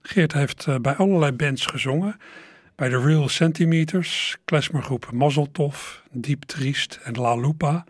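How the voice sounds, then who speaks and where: A husky male radio host introduces songs from a studio microphone, his speech musing and broken by hesitant fillers. The sound is close and dry, with no room around it. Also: a little high, measured pace, dry recording. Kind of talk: music radio presenting.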